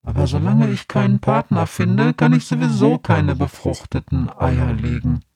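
A man voicing a grumpy, sleepy female dragon creature who talks in a gruff, blunt, unbothered way. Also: mid-range voice, very animated, normal speed, dark tone, no echo, studio quality.

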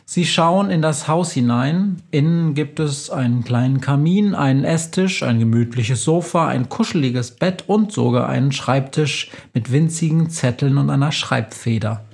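A man hosting and narrating a children's story in a calm, measured reading voice. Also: mid-range voice, creaky. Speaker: storyteller and podcast host.

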